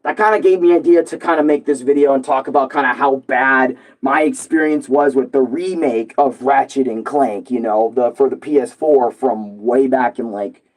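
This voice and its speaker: A young man with a hoarse voice, a gaming streamer ranting casually and loosely to his viewers, swearing and rambling with lots of fillers. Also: mid-range voice, normal speed, hardly any pauses, low-quality recording.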